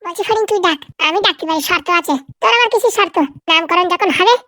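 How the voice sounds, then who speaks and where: A squeaky young cartoon character, chatters in an extremely high, childlike voice. The delivery is quick and bickering, and the recording is dry and close. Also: female voice, sharp tone, no echo. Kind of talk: comedy cartoon dialogue.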